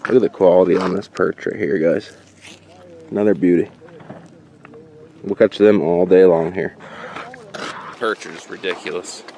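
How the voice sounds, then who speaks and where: A young man with a fairly low voice chats upbeat to his viewers while out on a frozen lake. He is recorded on a camera mic in the open air, with a faint hiss of outdoor noise behind him. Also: fairly even intonation, measured pace, gravelly, pauses often, dark tone. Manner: upbeat, addresses viewers as guys. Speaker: channel host. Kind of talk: casual outdoor vlog chat.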